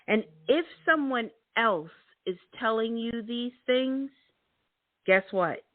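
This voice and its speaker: Woman host, middle-aged, deliberate motivational delivery, thin dry sound. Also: on the low side, dry recording, phone-quality sound. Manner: emphatic, repeats key words, laughs often. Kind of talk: motivational talk.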